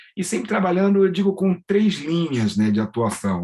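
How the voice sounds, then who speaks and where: A man's lively intonation comes through as he speaks at a fairly quick pace. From Brazil, Rio de Janeiro. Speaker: organizational psychologist and professor. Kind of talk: podcast interview.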